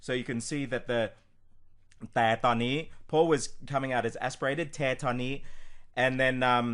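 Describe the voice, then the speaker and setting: A man's voice: medium pitch, steady tone, very fast, a bit bright. A man coaching on pronunciation, walking through a screen recording in an informal way with frequent ums and restarts. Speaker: language coach. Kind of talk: screen-recorded teaching walkthrough.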